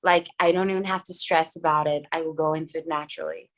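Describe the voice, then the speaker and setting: A young adult woman from South Africa, an actress talking in a casual podcast chat, chatty and animated with quick asides. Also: low-pitched. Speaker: actress guest.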